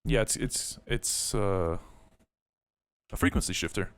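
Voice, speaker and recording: A man's voice: deep voice, slow pace. A man talking on a livestream through a frequency-shifter effect that gives his voice a robotic sound, speaking in a playful, mock-formal way.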